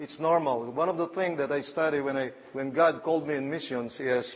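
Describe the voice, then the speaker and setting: A man with a Filipino accent, fairly high in pitch, with fairly even intonation. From Philippines. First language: Filipino dialects. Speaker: guest preacher. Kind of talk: sermon. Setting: church. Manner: halting.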